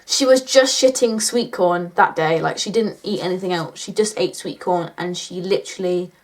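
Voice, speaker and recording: A woman's voice: on the low side, normal speed, low-quality recording. A British woman in her late teens chatting casually in a question-and-answer vlog, with a blunt, sweary, joking manner. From United Kingdom. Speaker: YouTuber answering viewer questions.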